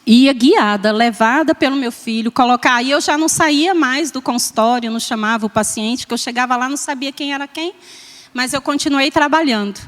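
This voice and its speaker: A high-pitched woman in her sixties from Brazil shares her personal testimony in a church, her voice ringing with a long hall reverb. She speaks with emotion and tells her story through quoted dialogue, often checking in with the congregation. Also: brisk. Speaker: church member giving testimony.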